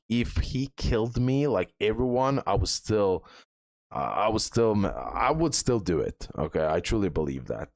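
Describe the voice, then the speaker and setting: A man's voice: on the low side, dry recording. A man giving casual commentary on a game walkthrough as a video creator, often repeating phrases for emphasis.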